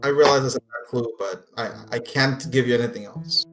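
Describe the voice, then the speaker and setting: An average-pitched game master runs a casual tabletop session in a playful, coaxing manner. Faint music sits behind the voice. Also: a little fast, a bit bright. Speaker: game master running a puzzle.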